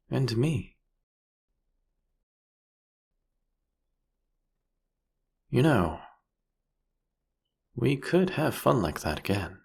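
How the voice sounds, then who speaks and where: Man playing a husky, gravelly seductive vampire king. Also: on the low side, exaggerated voice. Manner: theatrical, teasing, eloquent, drawn-out phrasing. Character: captured vampire king, jealous, seductive, mocking, philosophical. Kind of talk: scripted romantic fantasy audio roleplay.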